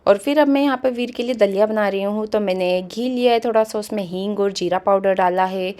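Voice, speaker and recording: A woman, a mother and vlogger, explaining her baby's daily routine in a calm, matter-of-fact voice-over. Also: medium pitch, brisk. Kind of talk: vlog voice-over narration.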